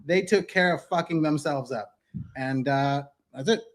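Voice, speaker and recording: A man's voice: on the high side, a little slow. A man in his thirties speaking as a guest in a casual interview, blunt and emphatic, swearing freely, recorded at a desk mic in a wood-paneled studio. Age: 30s.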